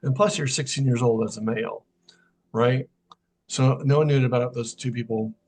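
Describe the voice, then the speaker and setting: A man's voice: medium pitch, fairly even intonation, moderate pace, a little mellow. A middle-aged man, a podcast guest, casually telling a personal story and recounting what was said in quoted dialogue. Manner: conversational, recounts events through quoted dialogue. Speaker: podcast guest, sound healer.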